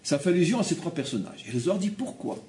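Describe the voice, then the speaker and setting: Brief: male religious teacher, a little high-pitched, highly animated delivery, repeats himself for emphasis, recorded in an echoey room. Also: fast talker. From France. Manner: animated, repeats phrases, acts out quoted people. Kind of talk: Torah class lecture. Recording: roomy room with faint background ambience.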